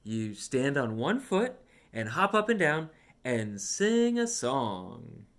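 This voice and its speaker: A man's voice: mid-range voice, very animated, slow pace. A man voicing a helpful, confident animal friend in a children's story.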